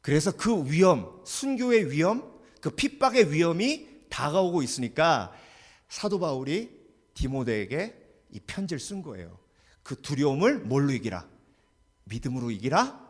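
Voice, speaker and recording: A man's voice: on the high side, unhurried. A man preaching a sermon as pastor, talking animatedly and often asking the congregation questions. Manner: lively preaching with many rhetorical questions to the congregation. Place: church sanctuary. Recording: long church hall reverb.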